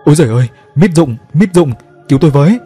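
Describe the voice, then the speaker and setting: A clumsy young man jolted awake yelps for help, as a male narrator puts him on. The voice jumps up high, loud and quick. Told as a spoken horror tale. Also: lively intonation, soft background music, close to an everyday voice. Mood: panicked. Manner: panicky, yelping.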